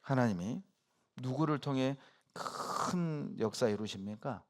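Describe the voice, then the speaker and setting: A middle-aged man preaching a sermon as pastor, telling stories with sudden loud bursts and hushed asides. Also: mid-range voice, expressive, takes it slowly. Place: church sanctuary.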